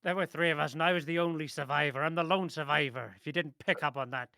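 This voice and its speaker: A man voicing a gruff old fisherman in a tabletop role-play, sentimental and haunted by his lost crew, talking in salty sailor phrases. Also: a little high, quick pace, sharp tone, no echo, studio quality. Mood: gruff, exasperated. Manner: gruff old-sailor talk with matey and aye.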